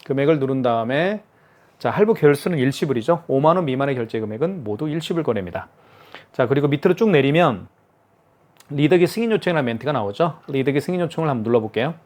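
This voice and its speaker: A man's voice: medium pitch, animated, quick pace, a little mellow. Man patiently demonstrating a card terminal. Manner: patient step-by-step explaining, repeats himself. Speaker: product demonstrator. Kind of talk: hands-on product tutorial.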